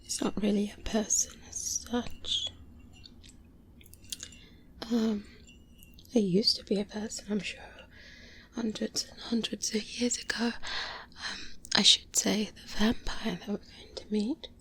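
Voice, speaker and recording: A woman playing a confident, wary vampire hunter mentor in a soft-spoken, breathy ASMR roleplay, close to the microphone with hesitant pauses. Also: medium pitch, level tone. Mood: calm, briefing. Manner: slow, hesitant pauses, intimate. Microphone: close-up binaural microphone.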